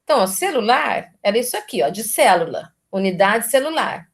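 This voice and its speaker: A woman's voice: fairly high pitch, sing-song, brisk. Chatty Brazilian woman lecturing. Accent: Brazilian Portuguese. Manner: chatty, constantly adds tag questions; restarts and self-corrects mid-sentence. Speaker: university lecturer. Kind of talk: informal live lecture.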